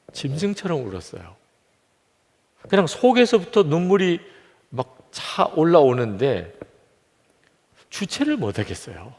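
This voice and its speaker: An older man, a pastor, preaching a heartfelt sermon, his voice rising loud and dropping to a near whisper. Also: fairly high pitch. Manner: emotional testimony, swings from loud to near whisper. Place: church sanctuary. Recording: church hall reverb.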